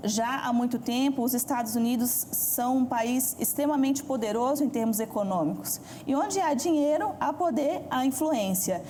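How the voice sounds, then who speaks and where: A Brazilian woman from Minas Gerais with a mixed Brazilian accent, a language expert guest explaining things in measured, deliberate phrases on a studio talk show. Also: high-pitched, mellow, slight background noise. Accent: mixed Brazilian Portuguese, mineiro base.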